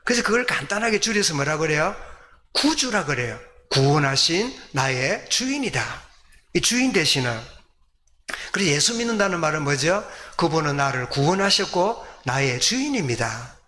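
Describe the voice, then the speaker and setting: A man delivers a church sermon in a fairly high, forceful, bright voice. He teaches through rhetorical questions that he answers himself. There is noticeable noise behind him. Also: big pitch swings, normal speed. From South Korea. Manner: didactic, asks questions and answers them himself. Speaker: pastor. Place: church service.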